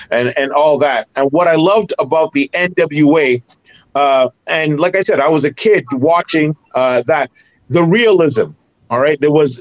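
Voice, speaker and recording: A middle-aged man from Barbados, a former wrestler and promoter, recalling his career in an animated, detailed way as a podcast guest. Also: fairly high pitch, dull audio. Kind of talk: casual interview storytelling.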